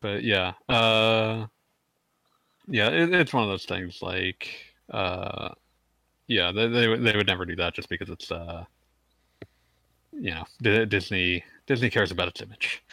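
Male podcast co-host, lowish and crisp-edged, chatty and stammering, very dry close mic. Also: unhurried, sharp tone, no room sound, poor audio. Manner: rambling, stammers on restarts, laughs mid-sentence. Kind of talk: casual gaming podcast chat.

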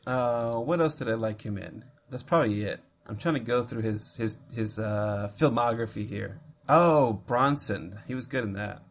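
A man hosting a podcast, chatting casually and teasing his co-host in a jokey, animated way. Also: mid-range voice, normal speed. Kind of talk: casual chat.

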